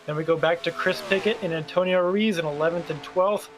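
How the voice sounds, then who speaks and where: A man with a fairly high voice works as a race co-commentator, delivering broadcast-style commentary. Faint noise sits behind him. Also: brisk. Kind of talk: sports broadcast commentary, reading a starting lineup.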